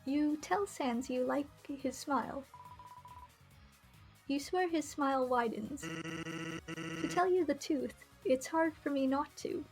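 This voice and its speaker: High-pitched, creaky woman streaming a game. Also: slow, pauses often, faint music behind, poor audio. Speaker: streamer playing a visual novel. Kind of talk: live game stream, reading dialogue aloud with chatty asides.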